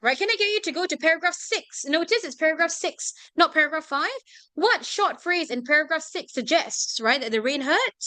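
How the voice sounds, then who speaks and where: A Singaporean woman teaching an online class, her voice high and sparkling with wide swoops in pitch. She keeps pausing to ask "right?" and "okay?" in a close, dry sound. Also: dry recording. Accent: Singaporean English. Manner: animated, constantly checking in with "right?" and "okay?". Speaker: tuition teacher.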